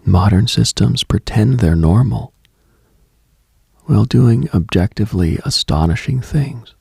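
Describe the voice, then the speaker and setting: A man delivers a brooding late-night radio monologue in a hushed, contemplative way. His voice is low and heavily gravelled, with a close, dry sound. He reads like a mystical broadcast host speaking into the small hours. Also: animated, a little slow, no room sound.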